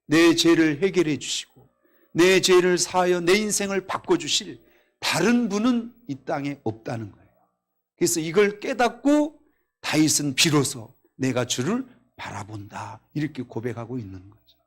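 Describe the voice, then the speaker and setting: A man preaching a Korean sermon at a Friday night service, reading scripture aloud, telling stories and asking the congregation questions, swinging between loud exclamations and quiet asides. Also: a little high, expressive, normal speed. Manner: reads scripture in a raised voice. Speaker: pastor. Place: church.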